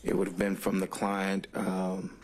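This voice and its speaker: A man testifying as a witness in court, speaking formally in a guarded, hesitant and deliberate way. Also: low-pitched, monotone, a little mellow.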